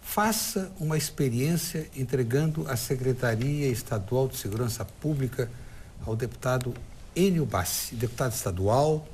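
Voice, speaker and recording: A man giving political commentary as a panellist in a measured, deliberate, declarative way. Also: medium pitch, expressive. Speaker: debate show panellist. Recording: faint background noise.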